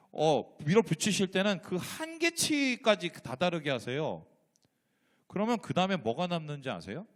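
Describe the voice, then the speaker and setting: A man in his forties, a pastor, telling a personal story in a sermon, swinging from hushed asides to loud outbursts. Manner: acts out his own past words in low muttered asides.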